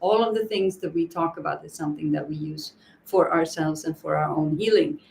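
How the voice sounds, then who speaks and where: A woman's voice: sits low, a little fast, vocal fry, a little mellow, a little hiss or hum. A woman teaching a live wellness masterclass, hesitant and searching for words as she explains. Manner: hesitant, many fillers and restarts, searching for words. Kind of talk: unscripted live teaching talk. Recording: echoey room.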